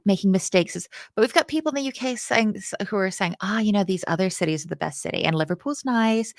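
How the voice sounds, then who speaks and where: A woman's voice: medium pitch, no room sound, clean studio sound. A woman from the UK, teaching a casual coding lesson in a playful, chatty, self-deprecating way.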